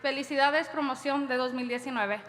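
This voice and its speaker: A woman's voice: sits high, quick pace, in a large hall, very noisy. A young woman, a graduating student, giving a prepared and earnest welcome speech.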